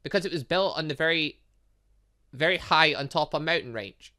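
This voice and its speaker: A man's voice: fairly high pitch, fairly quick, bright, forceful tone. A man voicing a playful, evasive teacher from a visual novel game, teasing and theatrical as he reads the dialogue. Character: playful, evasive teacher fond of their students.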